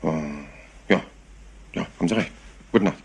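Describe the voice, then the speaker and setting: A rumpled police inspector in a crime radio play. His voice is low and husky, and he sounds hesitant and apologetic while quietly prying. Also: moderate pace, full character voice. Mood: apologetic, probing. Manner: hesitant, apologetic, deceptively casual. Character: rumpled, polite, slyly persistent male police inspector.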